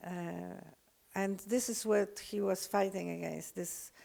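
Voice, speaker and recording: An older woman with a Polish accent, lecturing unscripted, halting often with fillers and restarts. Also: medium pitch, steady tone, creaky, a little mellow. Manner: hesitant, many fillers and restarts.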